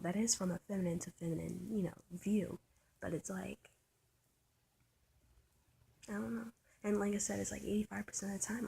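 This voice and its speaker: Trans man, soft light voice, gravelly fry, halting and searching, personal vlog monologue. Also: high voice, a little hiss or hum. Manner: halting and searching, many restarts and trailing whispers; confiding, thinking aloud. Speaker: vlogger.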